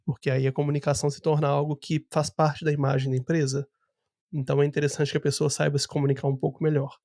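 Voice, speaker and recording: A man's voice: fairly high pitch, flat delivery, quick pace, mellow, no echo, studio quality. A man hosting a podcast interview, explaining his views in long, opinionated turns. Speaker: podcast host. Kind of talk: casual interview talk. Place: Vancouver.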